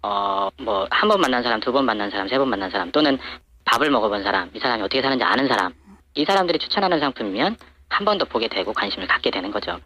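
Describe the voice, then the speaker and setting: Man, voice disguised by a voice changer, quick-talking, lively pitch, matter-of-fact. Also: dull audio. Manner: matter-of-fact, peppered with hesitant fillers. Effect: voice disguised by an electronic voice changer. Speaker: anonymous supplier to TV shopping channels. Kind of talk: interview answers.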